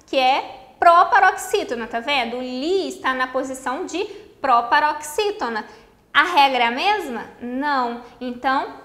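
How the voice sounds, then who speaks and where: A Brazilian woman teaches an exam-prep grammar lesson with a high, bright, sharp voice. She asks the class questions and answers them herself, stretching out the key words slowly. The sound is echoey, as if from a bare classroom. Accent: Brazilian Portuguese. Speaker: Portuguese teacher.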